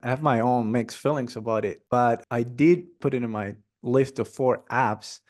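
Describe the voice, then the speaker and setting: A man's voice: mid-range voice, normal speed, darkish tone. Upbeat male podcast host. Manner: upbeat, enthusiastic, filler "like" and "you know". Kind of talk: casual interview hosting.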